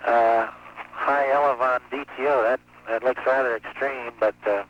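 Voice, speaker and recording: A man, an astronaut speaking over a space-to-ground radio transmission, reporting in a halting way with many fillers and a dry joke now and then. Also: medium pitch, fairly even intonation. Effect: muffled space-to-ground radio transmission. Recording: muffled radio link with faint hiss.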